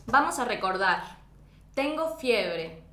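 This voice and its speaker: A woman gives lesson lines in a fairly high, clear voice, measured for learners. An echoey room carries her words. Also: big pitch swings, pushed and bright, faint music behind. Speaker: Spanish teacher. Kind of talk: scripted language lesson.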